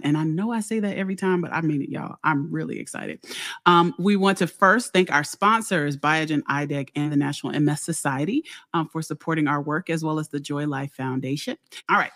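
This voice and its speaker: A woman from Chicago hosting a chat show, energetic and chatty with some filler ums. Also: lowish voice. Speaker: show host and neurologist. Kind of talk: upbeat conversational hosting.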